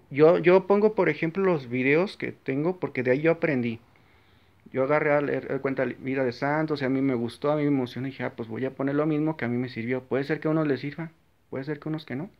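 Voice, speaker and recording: A man with a Mexican accent giving a blunt, forceful, rambling monologue about his faith, with frequent restarts. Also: a little high. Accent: Mexican Spanish. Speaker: Catholic video maker. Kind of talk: informal religious monologue. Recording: slightly dull, lo-fi recording.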